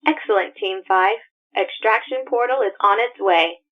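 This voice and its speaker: A woman playing a brisk mission control operator in an audio drama, heard through a radio communicator filter. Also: mid-range voice, dull audio. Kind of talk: amateur audio drama acting. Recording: thin band-limited radio sound.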